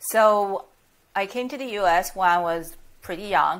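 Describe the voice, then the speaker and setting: A plain, everyday voice from a woman, fairly slow, medium in pitch, with ordinary pitch variation on a very clean recording with a silent background. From Taiwan, moved to US as preteen. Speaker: data science executive. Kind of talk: podcast interview.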